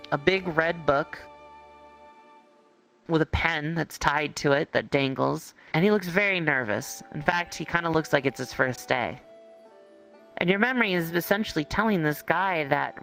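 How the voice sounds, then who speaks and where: Creaky-voiced game master telling a story. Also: mid-range voice, a bit bright, poor audio. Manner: conversational, halting storytelling with hedges. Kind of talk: improvised roleplay narration in second person.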